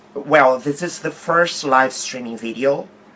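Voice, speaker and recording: This is a man speaking. He has a Brazilian accent. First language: Portuguese. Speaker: painting teacher. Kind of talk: live stream tutorial. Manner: halting, many fillers.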